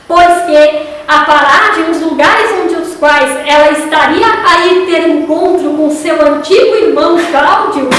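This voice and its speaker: A woman giving a spiritist lecture, animatedly retelling a story. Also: extremely high pitch. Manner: animated retelling with acted quotes. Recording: echoey hall from far off.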